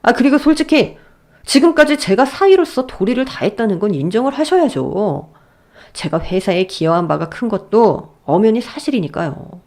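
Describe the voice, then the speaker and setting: A scheming son-in-law, as a woman reading the story puts him on talks in a raised, whiny voice. He grovels and argues back with lively swings in pitch, slippery and self-serving. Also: normal speed. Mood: brazen. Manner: whiny and pleading, then defiant.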